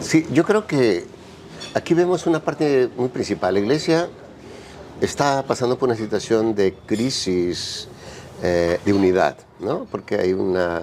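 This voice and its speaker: Against noticeable background noise, a man talks fairly slowly with long, frequent pauses and very wide pitch swings. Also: medium pitch for a man. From Peru. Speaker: priest. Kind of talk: interview.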